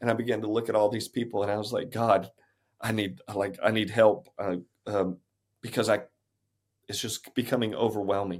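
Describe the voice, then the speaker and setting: Delivered with a Louisiana accent at a moderate pace, broken by long, frequent pauses. Intonation stays fairly even on a very clean recording with a silent background. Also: man, fairly low pitch for a man. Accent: Southern US (Louisiana). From US South, Louisiana (Moss Bluff). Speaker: pastor. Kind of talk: casual interview.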